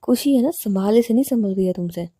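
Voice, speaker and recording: A woman voicing a quick-tempered but loving young college woman who scolds loudly and often turns indignant. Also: mid-range voice, husky, dry recording, studio quality, close to an everyday voice. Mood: affectionate.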